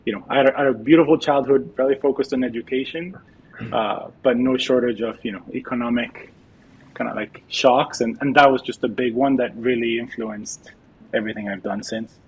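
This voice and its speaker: Guest: middle-aged man from El Salvador, husky, reflective, halting storyteller. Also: mid-range voice, fairly even intonation, lo-fi sound. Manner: reflective, frequent restarts and fillers. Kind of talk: podcast interview.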